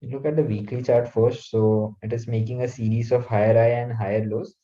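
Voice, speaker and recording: A man's voice: mid-range voice, fairly even intonation, extremely slow, dark tone, lo-fi sound. Man explaining stock charts. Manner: explanatory, mixes Hindi and English. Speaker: stock market analyst. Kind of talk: live webinar chart analysis.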